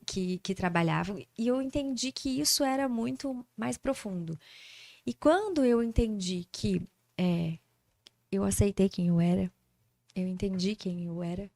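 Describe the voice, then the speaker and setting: A woman, a speech therapist speaking as a podcast guest in a lively storytelling manner, acting out dialogue as she talks. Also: medium pitch, no room sound. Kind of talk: casual podcast interview.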